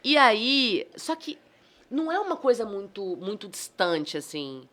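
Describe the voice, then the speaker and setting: A woman with a Brazilian accent, a communication trainer chatting as a podcast guest, animated and exclamatory, acting out the dialogue in her stories. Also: mid-range voice, unhurried. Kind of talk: casual podcast conversation.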